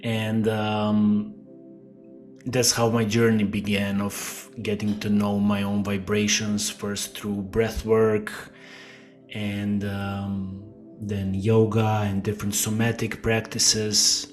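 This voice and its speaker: A middle-aged man from Croatia, a guest speaking slowly and hesitantly with many fillers in a casual interview. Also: lowish voice, monotone, faint music behind.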